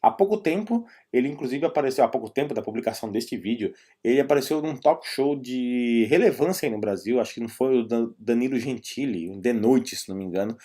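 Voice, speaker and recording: A man's voice: medium pitch, lively intonation, fast talker, hardly any pauses, warm tone, husky. A man with a Brazilian Portuguese accent talking casually as a vlogger, explaining and recommending things in a conversational, rambling way with asides.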